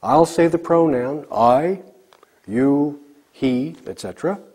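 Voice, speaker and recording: A man teaching a recorded English lesson, slowly drilling example sentences for learners to repeat. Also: fairly high pitch, expressive, darkish tone, slightly rough.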